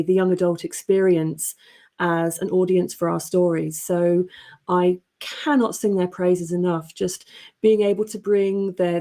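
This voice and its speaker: A woman speaking as an editor in a panel discussion, explaining in a measured, earnest and articulate way. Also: fairly low pitch, mellow.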